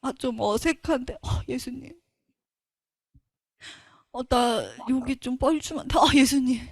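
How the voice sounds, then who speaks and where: Woman, high voice, dry close sound, earnest emotional Christian testimony. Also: unhurried, darkish tone, no echo. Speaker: testimony speaker.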